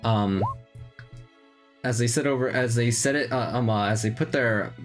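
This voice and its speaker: A man's voice: mid-range voice, moderate pace, faint music behind. A man running an online tabletop game as dungeon master, talking with many fillers and restarts.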